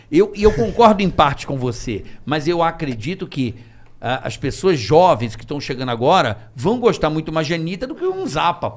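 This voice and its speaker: A man talks at a moderate pace with very wide pitch swings and vocal fry. His loudness swings widely too. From Brazil. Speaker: musician; podcast host. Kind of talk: casual podcast interview. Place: studio. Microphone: studio mic.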